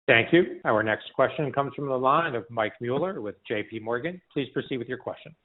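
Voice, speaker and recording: A man's voice: mid-range voice, animated, a little fast. A man working as a conference call operator, making scripted, formal announcements over a phone line.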